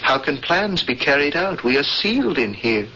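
Bright-voiced, fatalistic rebel prisoner. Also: male voice, on the high side, big pitch swings, normal speed, full character voice. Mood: resigned, earnest. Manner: formal, solemn phrasing. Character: earnest, fatalistic male prisoner and would-be rebel. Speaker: actor playing a cellmate. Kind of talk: 1970s radio drama acting. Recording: dull, noisy vintage radio broadcast.

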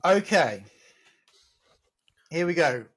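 A man's voice: on the high side, animated, drawn-out words, slightly rough. A man, co-hosting a podcast and running a quiz in an upbeat, chatty way that breaks easily into laughter. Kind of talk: casual chat.

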